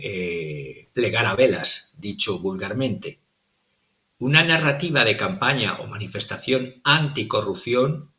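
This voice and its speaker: A male political analyst giving formal, methodical commentary, often pausing on "eh" between points. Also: lowish voice, a bit bright, lo-fi sound. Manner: formal and methodical, with frequent hesitations.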